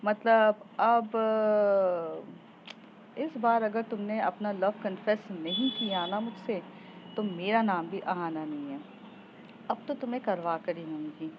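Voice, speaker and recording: Ahana is a sulky, defiant young woman who snaps back with sharp retorts, as a woman storyteller voices her. The recording is slightly dull and lo-fi. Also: mid-range voice, slow, background noise, close to an everyday voice. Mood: teasing.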